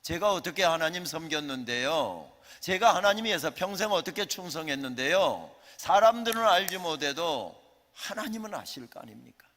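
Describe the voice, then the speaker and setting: A man's voice: on the low side, fast talker, gravelly, few pauses, breathy edge, voice pushed down. A man, preaching, voices an aging male prophet earnestly pleading with God in a reverberant church sanctuary.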